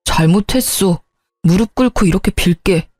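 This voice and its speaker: A woman reading as a sorry young husband from a storybook, pleading and apologetic in a warm, mellow tone. His voice sits close and dry, with faint music underneath. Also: mid-range voice, moderate pace, no echo, natural voice. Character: remorseful young husband begging forgiveness.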